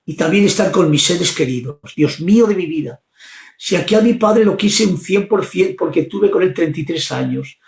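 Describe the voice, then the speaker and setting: A man preaching fervently, often shouting his exclamations. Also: a little high, echoey room. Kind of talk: impassioned preaching.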